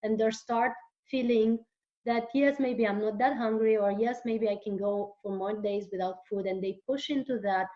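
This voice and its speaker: A woman's voice: a little high, steady tone. Romanian-native woman being interviewed, earnest, trips over her words a bit, muffled recording. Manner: earnest, halting with repeated words. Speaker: guest author and holistic therapist. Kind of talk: casual interview talk.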